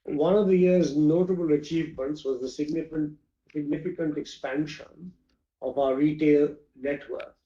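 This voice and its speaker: A man delivers a formal scripted address as a company chairperson. His voice is mellow and middle-pitched, and he reads in a measured way. The sound is dull and echoey, like a video conference from a bare room. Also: fairly even intonation. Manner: measured, formal, reading from prepared text.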